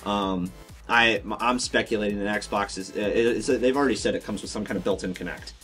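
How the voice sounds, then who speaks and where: A man with an American accent talks while music plays behind him. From US Northeast, Pennsylvania. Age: 20s. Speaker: gaming show host. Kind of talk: casual chat.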